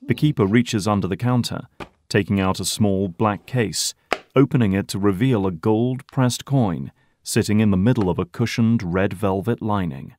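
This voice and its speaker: A man's voice: on the low side, normal speed, darkish tone, slight background noise. A man narrating an audio drama in a scripted, dramatic storytelling style.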